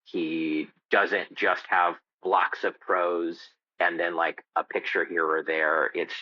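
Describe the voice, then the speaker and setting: A man talking as a podcast guest in a casual, explanatory way, halting as he thinks aloud. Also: deep voice, flat delivery, sharp tone, no echo, lo-fi sound. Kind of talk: casual interview chat.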